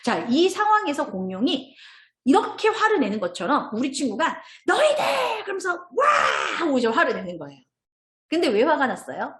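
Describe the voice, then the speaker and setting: Brief: high, lively female trainer lecturing teachers over a roomy video call. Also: fairly quick. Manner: expressive, animated, acts out child voices. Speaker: early childhood curriculum trainer.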